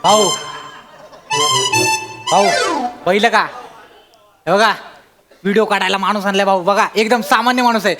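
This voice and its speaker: An actor playing a flattering, flustered party worker in a stage comedy sketch, soothing his boss and rambling on. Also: high voice, moderate pace, pauses often, music in the background, lightly acted. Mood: eager. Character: fawning male party worker, eager and flustered.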